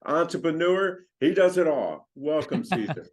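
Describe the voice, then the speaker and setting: A man's voice: fairly high pitch, very animated, normal speed. A man hosting a business podcast, welcoming his guest and asking questions with short, friendly replies. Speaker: podcast host. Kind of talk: casual interview hosting.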